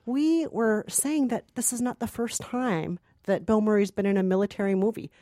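A woman's voice: medium pitch, moderate pace, dark tone, no echo, clean studio sound. A woman co-hosting a movie podcast in a casual, conversational, amused way. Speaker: podcast co-host.

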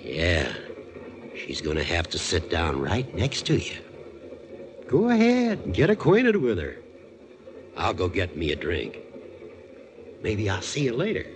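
A male actor in a 1940s radio drama playing a chatty, meddling old gentleman. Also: low-pitched, huge pitch swings, a little slow, long pauses, noisy background, exaggerated voice. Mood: jovial, nudging. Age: older.

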